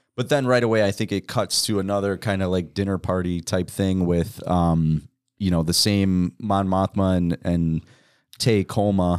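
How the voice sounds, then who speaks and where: A man with a Chicago accent speaks at a moderate pace in a very deep, low voice with fairly even intonation and very even loudness. The sound is dry and close with no echo, on a very clean recording with a silent background. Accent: Chicago American. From Chicago, US Midwest. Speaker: podcast co-host. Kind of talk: casual banter.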